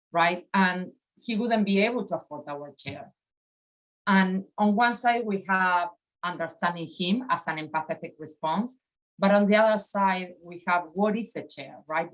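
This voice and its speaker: A woman's voice: on the low side, rough recording. A woman in her forties from Argentina with an Argentine Spanish accent, giving a reflective design lecture over slides and often checking in with "right?". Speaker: design educator. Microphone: webcam on video call.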